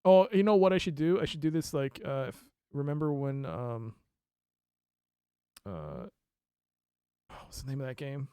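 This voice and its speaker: A man's voice: mid-range voice, animated, moderate pace, pauses often, mellow, clear, resonant tone, no room sound, studio quality. A man streaming a mystery game, reading case notes aloud and reacting with laughs and asides. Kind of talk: casual let's play commentary.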